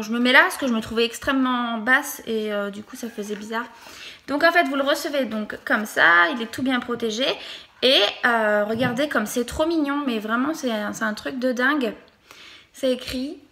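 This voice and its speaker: Bright chatty young French-speaking woman. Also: on the high side. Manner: chatty, hesitant with many fillers. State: pregnant. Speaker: vlogger and childminder. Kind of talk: casual family vlog.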